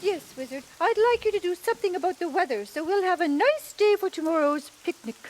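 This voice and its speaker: A woman voicing a fussy, excitable storybook monarch in a puppet show, bossy and full of exclamations. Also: very high voice, a little fast, slight background noise, low-quality recording. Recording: puppet show with music behind.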